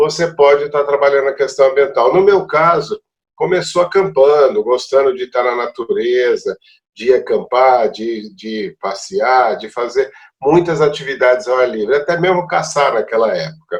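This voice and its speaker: This man has a fairly high pitch and a somewhat breathy voice. He talks at a moderate pace with lively intonation. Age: 60s. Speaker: environmentalist. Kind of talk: interview. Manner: casual, conversational.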